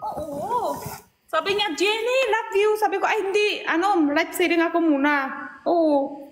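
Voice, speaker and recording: A woman's voice: very high voice, measured pace, slight background noise. A young woman chatting casually in a playful vlog game, laughing often. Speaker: vlogger. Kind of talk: casual chat.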